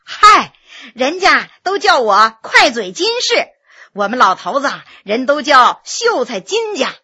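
A woman voicing a chatty, flattering middle-aged innkeeper woman who gushes and talks fast. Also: high-pitched, slightly rough, exaggerated voice. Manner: gushing and fast-talking.

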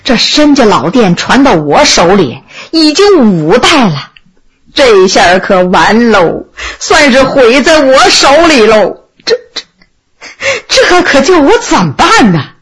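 A man's voice: very high voice, big pitch swings, fairly bright tone, husky, heavily acted. A woman voicing an anxious, honest old male innkeeper who stammers, sighs and laments tearfully in a storytelling performance. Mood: despairing, lamenting. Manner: stammering, sighing, drawn-out lamenting.

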